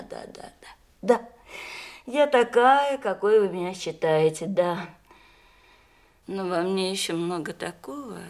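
Bitter daughter, slow and creaky. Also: female voice, medium pitch, heavily acted. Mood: hurt, defiant. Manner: theatrical, sarcastic, swinging between whisper and outcry. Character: bitter, rebellious, wounded daughter of a famous man. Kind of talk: Soviet audio stage drama acting.

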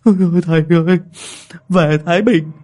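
A shrieking, terrified old coward. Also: male voice, low voice, big pitch swings, moderate pace, a little mellow, breathy edge, heavily acted. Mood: wailing pleading. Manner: wailing, panicked pleading. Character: cowardly old male ex-convict, shrieking in terror.

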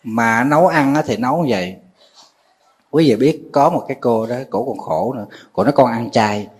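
Một nhà sư giọng Nam Bộ, hơi khàn, giảng pháp thân mật, hay hỏi lại người nghe. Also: male voice, medium pitch, normal speed, darkish tone, husky. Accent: Southern Vietnamese. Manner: folksy and conversational, questions the audience often. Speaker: Buddhist monk giving a dharma talk. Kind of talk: sermon.

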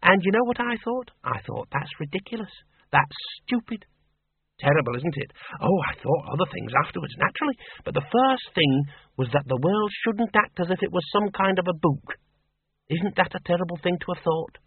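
A sharp, blunt older farm woman, as a male reader puts her on, her voice pitched high and swinging widely. It comes through husky and dry, with a thin phone-line sound. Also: animated, no room sound, full character voice. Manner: brisk, quick to jab with questions. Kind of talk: audiobook character voice.

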